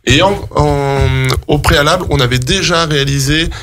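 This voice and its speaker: A man with a French accent speaks as a guest in a radio interview. He explains practical matters step by step, halting and hesitating as he searches for words. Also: on the high side, a bit bright, a little hiss or hum. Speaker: guest, public sports facilities staff.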